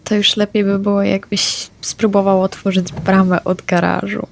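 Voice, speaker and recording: Creaky-voiced woman at a tabletop game. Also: mid-range voice, little pitch movement, normal speed, a little hiss or hum. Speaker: roleplaying game player. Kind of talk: casual tabletop play.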